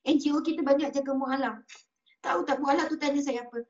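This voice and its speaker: High-voiced Malaysian woman preaching earnestly. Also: steady tone, brisk. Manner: earnest storytelling, repeats phrases for emphasis. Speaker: religious teacher. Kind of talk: religious talk. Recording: muffled audio from a distance.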